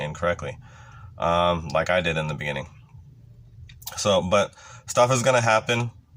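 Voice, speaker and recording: With a very deep, low pitch, a man speaks at a moderate pace. His pitch variation is ordinary. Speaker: mail carrier. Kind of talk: casual vlog advice. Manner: hesitant, many fillers.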